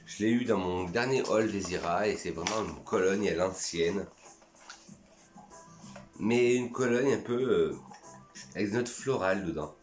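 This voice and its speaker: A chatty, enthusiastic man from France talks casually through his collection in a slightly low voice. The room is echoey, with soft music faintly underneath. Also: unhurried, long pauses. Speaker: perfume YouTuber. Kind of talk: casual vlog review.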